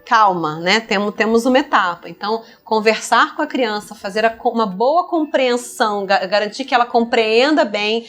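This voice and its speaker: A middle-aged Brazilian woman, a speech therapist, explaining child language development in a lively podcast chat. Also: on the high side, normal speed, hardly any pauses, soft background music. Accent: Brazilian Portuguese. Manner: explanatory, lively, acts out parents and toddlers. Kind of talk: conversational podcast interview.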